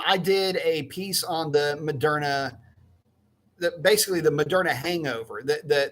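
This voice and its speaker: A man's voice: fairly high pitch, fairly bright tone. A middle-aged man hosting a casual live-stream chat, rambling and correcting himself in a folksy way. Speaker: livestream host.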